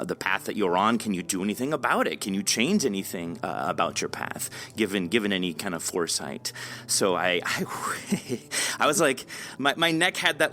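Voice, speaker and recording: Animated low-voiced American podcast host, male. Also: slight background noise. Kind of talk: casual interview chat.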